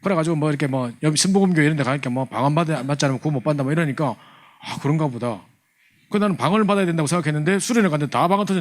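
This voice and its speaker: Fast, lively man. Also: fairly high pitch. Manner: animated storytelling, acting out his younger self. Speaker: church youth leader teaching a training class. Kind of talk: humorous testimony in a church lesson.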